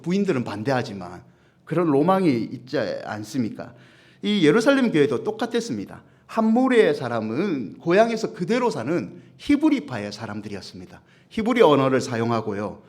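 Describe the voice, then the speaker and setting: A man's voice: fairly high pitch, darkish tone. A man with a Gyeongsang accent preaching a sermon as senior pastor, humorous, often asking the congregation questions. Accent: Gyeongsang Korean. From Gyeongsang region, Korea. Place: church service.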